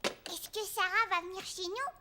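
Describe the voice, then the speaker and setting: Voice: very high voice, moderate pace, background noise. An actor voicing a cheerful, curious four-year-old boy with an eager, childlike manner in a children's cartoon.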